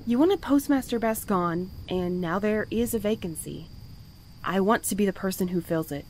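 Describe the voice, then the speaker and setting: A woman playing an earnest, guarded and conscientious postal worker in an audio drama, speaking in a measured, articulate way. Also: medium pitch, a little mellow, slight background noise, lightly acted. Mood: determined. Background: music.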